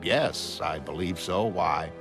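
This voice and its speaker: A man's voice: sits low, slow, voice pushed down. A man voicing a nervous middle-aged man who hesitates and hedges. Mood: evasive. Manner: hesitant, with many "uh"s. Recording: music underneath.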